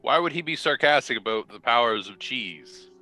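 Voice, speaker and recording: A man's voice: mid-range voice, expressive, normal speed, sharp tone, faint music behind. A man playing a tabletop role-playing game, joking and stubborn in playful banter. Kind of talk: casual role-play banter.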